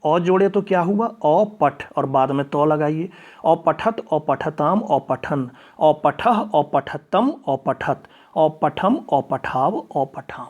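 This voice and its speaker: A man's voice: a little high, expressive, slow pace, darkish tone. A male teacher patiently explaining grammar step by step, reciting verb forms one after another. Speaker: Sanskrit teacher. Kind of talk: classroom grammar lesson.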